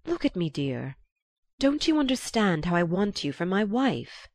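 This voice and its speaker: A woman voicing a young gentleman who pleads urgently and persuasively. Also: on the low side, sing-song, measured pace, no echo, heavily acted. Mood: pleading. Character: young gentleman, eager and pleading, sometimes exasperated.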